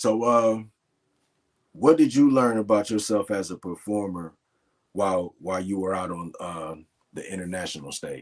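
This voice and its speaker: Speaking in an American accent at a moderate pace, a man with a fairly low pitch and ordinary pitch variation makes long, frequent pauses amid big swings in loudness. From Detroit. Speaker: podcast host. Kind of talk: podcast interview.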